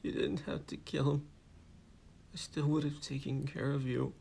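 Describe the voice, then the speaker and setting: A man voicing a distraught, bitter daughter who talks haltingly and breaks off mid-sentence. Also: mid-range voice, little pitch movement, vocal fry, darkish tone, a little hiss or hum, lightly acted. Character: distraught middle-aged daughter, bitter and unhinged. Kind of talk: dramatic story reading.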